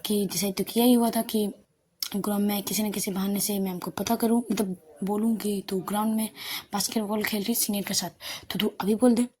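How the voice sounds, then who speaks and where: Blunt young student girl in an audio love story, plain and brisk; voiced by the woman narrator. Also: mid-range voice, fairly even intonation, a little mellow, slight background noise, natural voice. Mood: plotting.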